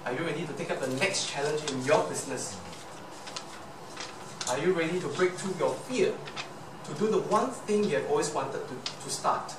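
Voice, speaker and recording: A young man from Malaysia with a Malaysian English accent, a Chinese native speaker giving an earnest motivational speech full of rhetorical questions. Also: on the high side. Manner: earnest, rhetorical questions, slow emphatic repeats. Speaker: club speaker. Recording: echoey room from far off, noisy.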